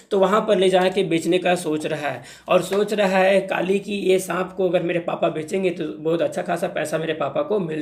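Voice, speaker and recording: Male tutor, high-pitched, slow careful reading then chatty explaining. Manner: reads English text slowly, then explains in Hindi. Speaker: teacher. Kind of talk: explaining an English lesson in Hindi.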